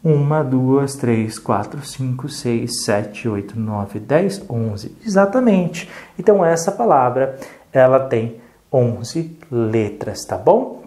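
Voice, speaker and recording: A Brazilian teacher giving a slow, patient adult literacy lesson, counting letters aloud and checking in often. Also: medium pitch, animated, warm tone. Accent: Brazilian Portuguese.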